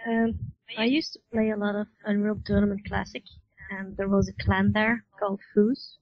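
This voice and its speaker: Female podcast guest, casual, flat intonation, dry muffled recording. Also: medium pitch, moderate pace, dry recording. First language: Dutch. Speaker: podcast guest, forum admin. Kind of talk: casual interview chat.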